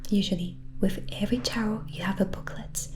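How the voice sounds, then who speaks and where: A woman playing a gentle, chatty white witch from the forest in a soft, breathy, unhurried ASMR whisper. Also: mid-range voice, fairly even intonation, natural voice. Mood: welcoming, confiding.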